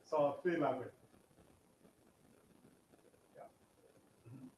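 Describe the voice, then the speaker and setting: A middle-aged man from Tanzania, whose first language is Kinyaturu, giving a public talk and answering audience questions, often pausing and repeating words as he goes. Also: fairly high pitch, a little mellow, lo-fi sound, slight background noise. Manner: halting, with many repeats and "uh" fillers. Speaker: guest speaker. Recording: echoey room, recorded from a distance.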